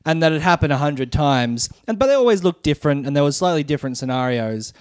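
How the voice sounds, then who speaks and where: A man's voice: on the high side, animated, quick pace, darkish tone, no room sound, studio quality. A man chatting casually about video games as a podcast co-host.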